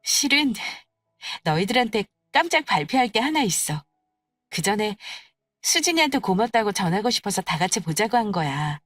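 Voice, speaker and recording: A woman playing a patient, polite, quietly confident young bride-to-be in an audio story, with composed and gentle phrasing. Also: medium pitch, very animated, normal speed, no echo, faint music behind. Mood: pleased. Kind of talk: acted dialogue in an audio story.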